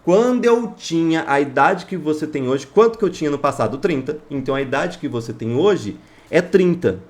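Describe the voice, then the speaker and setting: A man's voice: a little high, lively intonation, normal speed. A man with a Brazilian accent teaching math, explaining exercises step by step, posing questions and answering them himself, checking that listeners follow. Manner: didactic, asks himself questions then answers, checks understanding.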